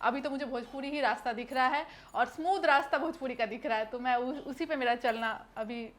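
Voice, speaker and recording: A woman's voice: high-pitched, fairly quick. A young woman from Kolkata, an actress answering interview questions in a chatty way with hesitant fillers and English phrases mixed in. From Kolkata, West Bengal, India.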